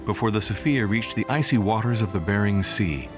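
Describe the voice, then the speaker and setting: Expressive male documentary narrator, lowish voice. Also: brisk. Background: music bed.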